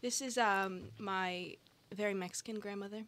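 A woman's voice: medium pitch, fairly even intonation, normal speed, fairly bright tone. A young woman co-hosting a podcast, chatting casually and telling stories with playful quoted voices. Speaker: podcast co-host. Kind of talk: casual chat.

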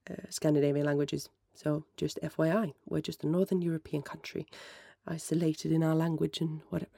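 Mellow podcaster in their thirties, a bit of vocal fry, keeps restarting sentences. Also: mid-range voice, little pitch movement, brisk, no room sound, clean studio sound. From Finland. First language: Finnish. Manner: mellow, rambling, self-correcting. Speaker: podcast host. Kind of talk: casual solo chat answering listener questions.

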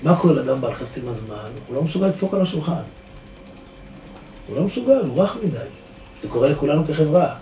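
A man, a rabbi giving a lively Torah lesson to a live audience, asking rhetorical questions and swinging between loud and soft. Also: on the high side, long pauses. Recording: echoey room, distant mic, faint noise.

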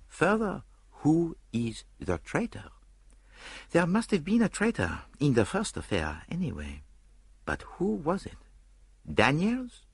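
A man voicing a fussy, excitable Belgian detective in an audiobook, talking in theatrical bursts. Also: breathy edge, no room sound, clean studio sound, exaggerated voice. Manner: theatrical, rising pitch, quick bursts. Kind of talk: audiobook character voice.

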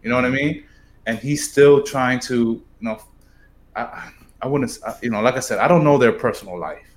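A man's voice: mid-range voice, moderate pace. A man co-hosting a podcast in casual chat, rambling and dropping lots of "you know"s. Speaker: podcast co-host.

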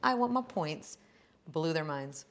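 A woman hosting a podcast in an animated, chatty way, jumping from topic to topic. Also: low voice, measured pace. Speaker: podcast host. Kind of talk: casual chat.

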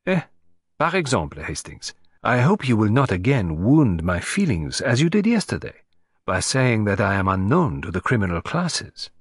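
A fussy, exacting Belgian detective with a French-tinged lilt, as a male reader puts him on. He talks politely and drily, his pitch lively and roaming. The voice is slightly husky and the room sounds dry. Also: moderate pace, dry recording. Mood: measured. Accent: French-tinged English.

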